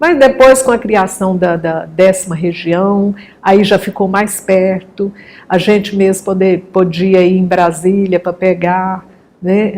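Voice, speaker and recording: A very slow pace paired with fairly even intonation. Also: woman, medium pitch for a woman. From Anápolis, Goiás, Brazil. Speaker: retired labour court civil servant. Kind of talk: oral history interview answer.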